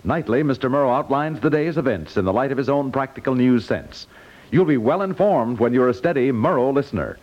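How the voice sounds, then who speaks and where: An American man announcing on 1950s radio, reading scripted copy in a polished, formal manner. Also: mid-range voice. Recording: muffled 1950s radio broadcast recording.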